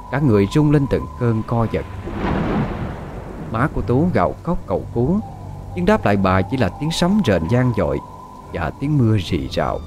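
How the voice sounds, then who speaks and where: Deep-voiced male storyteller. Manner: expressive storytelling. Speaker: audiobook narrator. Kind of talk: dramatic story narration. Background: faint background music.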